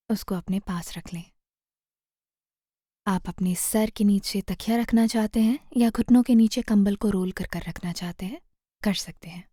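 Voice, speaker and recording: A woman narrating a guided meditation in a soothing, gentle manner, often trailing off into a near-whisper. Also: medium pitch, no echo, clean studio sound.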